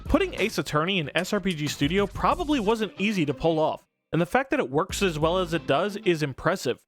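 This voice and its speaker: A man with a high, lively voice delivers casual scripted game commentary. His pitch swings widely and his manner is irreverent and informal, with swearing. Soft music plays behind him. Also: a little fast. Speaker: video game reviewer. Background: background music.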